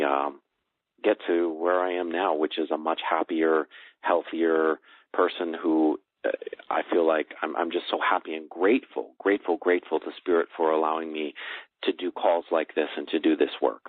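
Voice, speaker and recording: A man in middle age with a low-pitched voice talks as an interview guest. He searches for words and doubles back on phrases to stress them. The sound is a thin telephone connection with no room around it. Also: no room sound. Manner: hesitant, searching for words, repeats phrases for emphasis. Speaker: guest, personal growth coach and author. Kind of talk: conversational interview on a call. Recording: dry, band-limited phone call.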